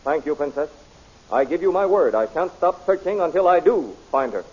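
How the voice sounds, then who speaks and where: A man's voice: a little high, lively intonation, moderate pace, darkish tone, a little hiss or hum, close to an everyday voice. An actor playing a loyal, courteous palace guard nobleman in a 1930s radio serial, formal and earnest, on a dull old recording. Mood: resolute.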